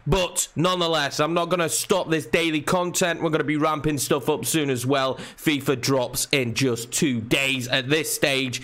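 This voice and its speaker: Young guy, bit nasally and croaky, chatty football game commentary at his desk. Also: fairly high pitch, normal speed, hardly any pauses. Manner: chatty, excitable at chances. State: slightly nasal and croaky from a cold. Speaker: gaming channel host. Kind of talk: casual gameplay commentary.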